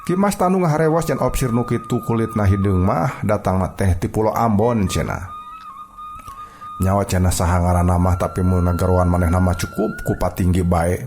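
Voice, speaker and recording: Storyteller, male, Sundanese accent, low register, narrating a folk tale with soft music underneath. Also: huge pitch swings, moderate pace. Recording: music bed behind the voice.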